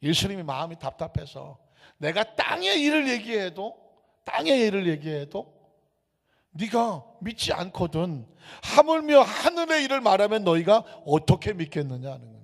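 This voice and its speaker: Animated male pastor preaching in an echoey hall. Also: high-pitched, creaky. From Gyeonggi Province, raised in Seoul. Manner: animated, mixes regional dialects for humor. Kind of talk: sermon. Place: church sanctuary.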